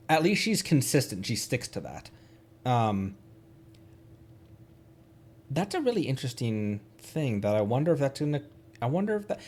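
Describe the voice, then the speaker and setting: A man giving casual livestream commentary on a game, playfully thinking aloud. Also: medium pitch. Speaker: streamer.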